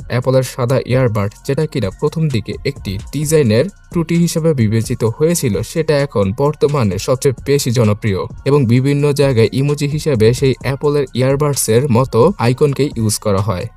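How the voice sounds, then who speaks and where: A man's voice: medium pitch, dark tone. A man presenting a scripted tech explainer, speaking to viewers in an explanatory way and mixing in English terms. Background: background music.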